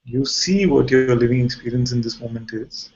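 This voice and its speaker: A man leading an informal guided spiritual dialogue as a teacher, asking probing questions and pausing mid-sentence. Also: medium pitch, a little mellow, highs cut off.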